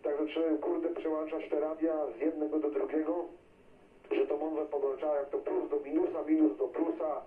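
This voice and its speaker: A man's voice: a little high, little pitch movement, moderate pace. A Polish man chats casually over CB radio. His voice comes through a thin, band-limited signal, distant and echoey, as he talks like an operator on air. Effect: CB radio transmission. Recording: tinny, noisy CB radio signal, far and echoey.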